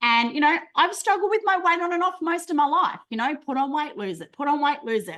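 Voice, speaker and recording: An Australian woman with an Australian accent talks at a fairly quick pace with hardly any pauses, her high pitch making very wide swings. Her tone is bright, sharp and animated. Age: 40s. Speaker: business coach. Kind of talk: masterclass presentation. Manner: fast.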